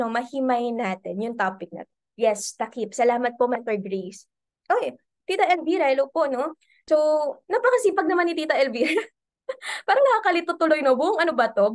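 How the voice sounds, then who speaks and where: Filipino woman mentor, high voice, animated video-call coaching. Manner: animated, code-switching, asks many tag questions. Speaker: business mentor. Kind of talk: online training talk.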